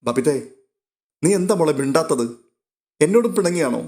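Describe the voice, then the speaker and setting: A man reading a story aloud and voicing a caring young woman who gently coaxes a younger girl. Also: a little high, lively intonation, normal speed, voice pushed up. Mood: coaxing.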